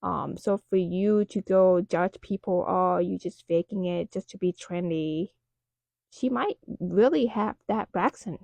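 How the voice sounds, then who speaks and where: A woman's voice: fairly low pitch, unhurried, vocal fry, darkish tone, no room sound. A woman from Thailand speaking English with a Thai accent, talking casually to camera with many fillers and loose phrasing. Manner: talks loosely, with many "um"s and "you know"s.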